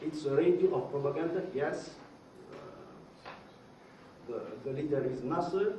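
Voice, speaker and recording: There is noticeable background noise and audible room echo as a man speaks at a moderate pace, his high pitch carrying ordinary pitch variation. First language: not English; English is third language. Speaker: conference speaker, media researcher. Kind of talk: conference talk. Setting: conference with audience. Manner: halting.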